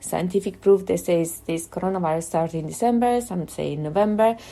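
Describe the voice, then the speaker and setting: Her tone dark and mellow, a woman speaks with ordinary pitch variation. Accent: Italian. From Italy. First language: Italian. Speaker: podcaster. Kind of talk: casual monologue podcast.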